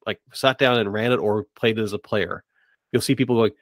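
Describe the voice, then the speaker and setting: Male podcast host, fairly low voice, dry sound. Conversational, hedging, rephrases as he goes. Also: steady tone, a little fast, no room sound. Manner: tentative, hedging, circles back to rephrase. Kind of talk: conversational interviewing.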